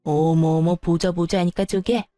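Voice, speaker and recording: A woman's voice: fairly low pitch, steady tone, normal speed, mellow, dry recording, faint music behind, pitched below the performer's own voice, natural voice. A woman voicing a whiny, scheming older mother-in-law who wails and scolds. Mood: indignant. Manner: whining, scolding. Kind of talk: storytelling dialogue.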